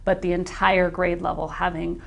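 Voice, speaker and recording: A woman's voice: fairly low pitch, completely flat delivery, moderate pace, creaky. A woman school leader speaking in an upbeat way in an interview. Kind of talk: interview answer.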